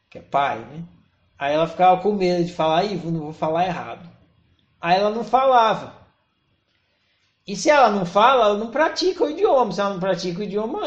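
A man, explaining ideas in a thoughtful, reflective talk with frequent restarts. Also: sits high. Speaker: speaker on self-knowledge. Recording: roomy, slightly dull recording.

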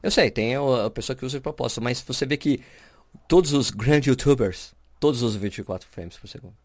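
A man's voice: medium pitch, fairly quick, a little mellow, dry recording, studio quality. A man from Brazil co-hosting a podcast, chatting casually and explaining camera settings with lots of fillers and restarts. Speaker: podcast co-host. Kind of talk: casual chat.

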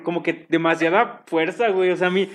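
A man's voice: high voice, steady tone, brisk. A man with a Mexican accent in casual chat, talking in a slangy way and dropping güey into nearly every phrase. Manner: slangy, says güey constantly.

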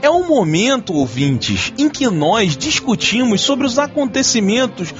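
Male host, comic news chat, swooping pitch, dull lo-fi sound. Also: very animated, unhurried. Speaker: podcast host. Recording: dull lo-fi audio, music behind.

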